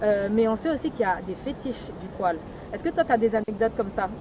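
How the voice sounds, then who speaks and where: A woman's voice: medium pitch, lively intonation, fast talker, warm tone, a little hiss or hum, rough recording. A woman interviewer asking direct questions.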